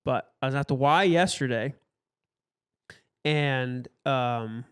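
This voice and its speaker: A young man with a higher-pitched voice, a podcast co-host telling stories in casual chat and slipping into playful voices for the people he quotes. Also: takes it slowly, clean tone. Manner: storytelling with playful voice impressions.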